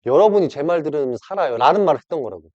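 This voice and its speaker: A man's voice: a little high, expressive, racing, a little mellow, dry recording. A man preaching an informal sermon, acting out dialogues and addressing the audience directly. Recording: dull lo-fi dry recording.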